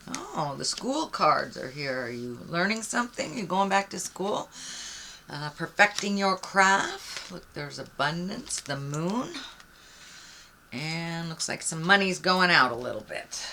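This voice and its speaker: A woman's voice: on the low side, sing-song, slow, noisy background. A woman giving an unscripted tarot reading as host, speaking reflectively and encouragingly, straight to the listener. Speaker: tarot card reader, host.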